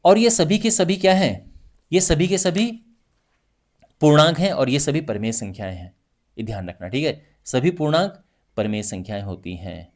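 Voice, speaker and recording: A male math teacher giving a lively classroom lesson, talking through each point with frequent check-ins to his students. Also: fairly high pitch, moderate pace. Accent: Hindi.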